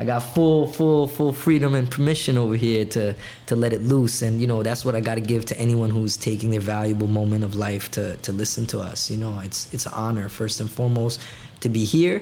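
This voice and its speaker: A man's plain, everyday voice at medium pitch, with an American accent and ordinary pitch variation. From New York. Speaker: artist and educator. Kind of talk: casual interview chat.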